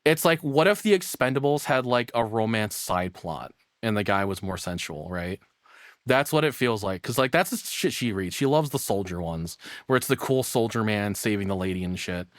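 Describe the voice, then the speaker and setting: Low-pitched man, casual and sweary. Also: animated, moderate pace, dry recording, clean studio sound. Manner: rambling, sweary, informal. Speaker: reaction streamer. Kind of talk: casual reaction commentary.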